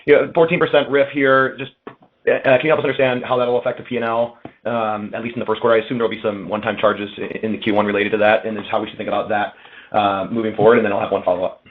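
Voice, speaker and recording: A man's voice: lowish voice, flat delivery, fast talker. A man asking questions as a financial analyst on an earnings call. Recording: tinny phone conference line.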